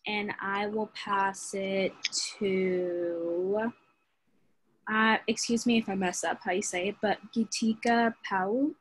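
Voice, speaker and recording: A woman from New York introduces herself casually and politely. Her pitch is middling. She speaks over a video call. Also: fairly even intonation, slow pace, a little hiss or hum, low-quality recording. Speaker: workshop participant.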